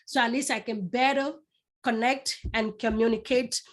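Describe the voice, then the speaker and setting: A middle-aged woman from Nigeria with a Yoruba accent leads a public speaking masterclass, talking straight to her audience. Her voice sits high, and she stresses her points by repeating words several times over. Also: steady tone, moderate pace. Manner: repeats words for emphasis, addresses the audience directly. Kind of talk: live online masterclass.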